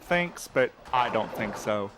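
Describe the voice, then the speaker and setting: A man's voice: lowish voice, expressive, slow, noisy background. An actor playing an earnest, cautious, level-headed young man in a conversational audio drama. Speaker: actor in a fiction podcast.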